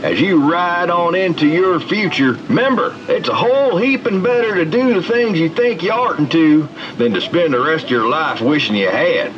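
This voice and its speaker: A man's voice: a little high, expressive, moderate pace, hardly any pauses, lightly acted. A man playing a folksy, money-hungry old Western prospector as a fortune-telling machine, drawling out cheeky scripted patter. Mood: folksy, salesy. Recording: lo-fi machine speaker amid clear outdoor park noise.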